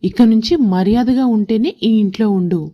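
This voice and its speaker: An indignant storybook husband, voiced by a woman in a fairly high voice. He is stern and scolding, protective of his parents. The sound is a bit dull. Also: normal speed, lightly acted. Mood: angry warning. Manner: scolding, admonishing.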